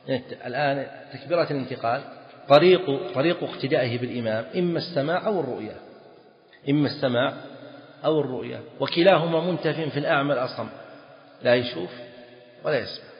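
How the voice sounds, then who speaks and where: A man teaching Islamic law in a lecture, quizzing students and repeating key phrases. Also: medium pitch. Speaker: Islamic scholar teaching fiqh. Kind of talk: classroom lecture on a text. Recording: dull lo-fi audio in a reverberant hall.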